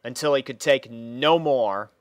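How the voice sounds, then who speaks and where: A man narrating a scripted story in a measured, mock-serious storytelling manner. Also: medium pitch, no echo, clean studio sound. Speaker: fan fiction narrator.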